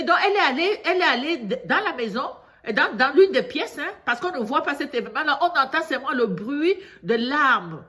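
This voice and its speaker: A woman vlogger with a stuffy cold talks straight to her viewers in a high, bright voice. She chats loosely, repeats herself and restarts phrases. She turns indignant and preachy as she tells the story. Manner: chatty, repeats and restarts, grows indignant and lecturing. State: congested from a cold. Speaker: YouTuber telling a news story. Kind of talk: casual storytelling monologue to camera.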